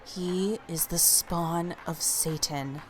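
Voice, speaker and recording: A woman playing an excitable, blunt young friend with an emphatic, casual way of talking in an audio drama. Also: fairly low pitch, slow, background noise. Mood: excited, blunt.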